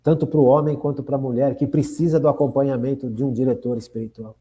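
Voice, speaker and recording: A man's voice: medium pitch, steady tone, fast, warm tone. A man in his sixties with a Brazilian Portuguese accent, hosting an earnest, reflective spiritual radio talk and often turning to ask his listeners questions. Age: 60s. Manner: earnest, repeats phrases, asks listeners questions. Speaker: radio host.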